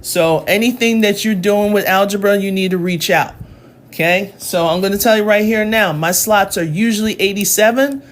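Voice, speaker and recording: A woman's voice: mid-range voice, moderate pace. A woman math tutor in her forties, chatting and teasing her live chat between lessons, talking into her phone at home. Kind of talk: casual livestream lesson.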